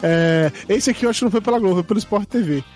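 A hoarse man from Brazil hosting a podcast in a casual, joking chat and laughing at himself. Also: sits high, very fast, a little mellow, soft background music. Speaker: podcast host.

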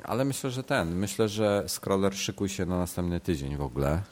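Casting: male podcast host, low voice, nasal and congested from a cold, casual, stumbling delivery with repeats. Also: fairly quick, darkish tone. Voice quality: congested, blocked-nose voice. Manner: hesitant, self-correcting, repeats words. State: sick with a stuffed nose and fever.

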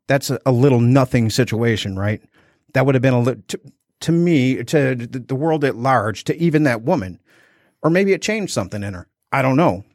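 A man's voice: mid-range voice, animated, moderate pace, a little mellow, no echo. Candid man telling a story, dry sound. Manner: candid storytelling, acts out quotes. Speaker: podcast co-host. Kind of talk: casual podcast chat.

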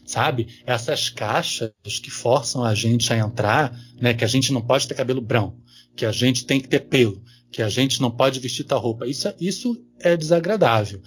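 A man's voice: medium pitch, brisk, slightly rough. A man, chatting candidly on a podcast with lots of casual fillers. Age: 40s. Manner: candid, conversational, fillers like "sabe". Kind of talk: casual chat.

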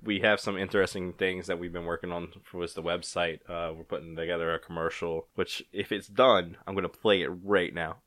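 A man in his thirties hosting a casual podcast chat, relaxed and rambling with frequent "uh" fillers. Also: deep voice, a little fast, hardly any pauses, dry recording. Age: 30s. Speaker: podcast host.

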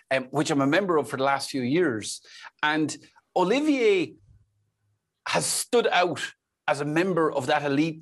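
A man's voice: on the high side, slightly rough. An Irish man hosting a podcast interview, enthusiastic, with lots of "um" fillers and repeated phrases for emphasis. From Ireland. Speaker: podcast host.

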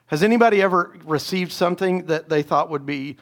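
A man preaching a sermon as associate pastor, slightly raspy from a sore throat, talking conversationally with frequent "right?" asides and restarts. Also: fairly high pitch, brisk, a bit bright. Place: church sanctuary.

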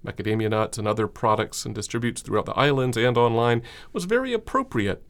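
A man's voice: mid-range voice, expressive, brisk. A man with a Southern American accent co-hosting a podcast in a jokey, rambling way, laughing often. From Southern United States. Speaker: podcast co-host. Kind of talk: casual chat.

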